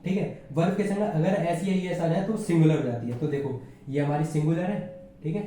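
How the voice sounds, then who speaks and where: A man's voice: a little high, brisk, mellow. A man teaching a grammar lesson in a casual classroom style, repeating key points and talking as he writes. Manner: repeats points with frequent fillers, talks while writing. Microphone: far from the mic. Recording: distant echoey room, faint hum.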